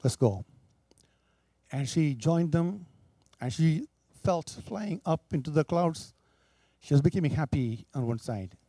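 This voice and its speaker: A man's voice: on the high side, measured pace, warm tone, no echo. A man preaching, telling a story with emphatic, dramatic delivery. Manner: emphatic, rising and falling for drama.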